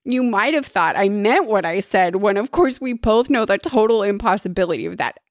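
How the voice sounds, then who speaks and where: A woman's voice: mid-range voice, expressive, normal speed, no room sound, studio quality, close to an everyday voice. A woman voicing a haughty, lovesick young woman in an affected fancy drawl, feigning airy indifference as she reads a story. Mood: fancy, condescending.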